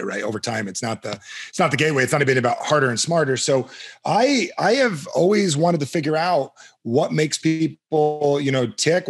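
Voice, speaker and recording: A middle-aged man from New Jersey, a guest coach and author, talking confidently with a punchy salesman's push and quick repeats. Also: medium pitch, husky. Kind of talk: energetic self-introduction in an interview.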